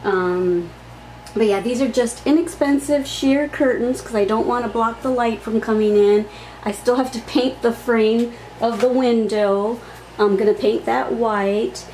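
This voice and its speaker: A woman's voice: fairly high pitch, darkish tone. A woman in her forties giving a chatty, rambling home tour vlog, full of ums, filmed in a small pink bedroom on a camera mic. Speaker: craft vlogger. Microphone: camera mic on a tripod. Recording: echoey room, faint background hiss.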